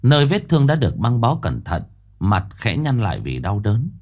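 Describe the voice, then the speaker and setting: A man narrating a ghost story in an expressive storytelling manner. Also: medium pitch, normal speed.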